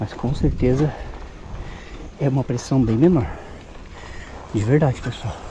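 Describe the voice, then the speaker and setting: Noticeable background noise sits beneath speech delivered at a fairly slow pace with ordinary pitch variation and long, frequent pauses. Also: man, medium pitch for a man. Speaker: cycling youtuber. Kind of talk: vlog while riding uphill. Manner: deliberately calm and quiet.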